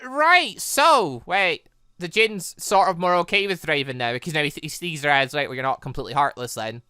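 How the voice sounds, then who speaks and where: A man's voice: on the high side, animated, a little fast, bright, forceful tone, clear, resonant tone, no room sound, clean studio sound. A young man doing casual game commentary, rambling and trailing off into nonsense syllables. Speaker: gaming channel host. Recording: music behind the voice.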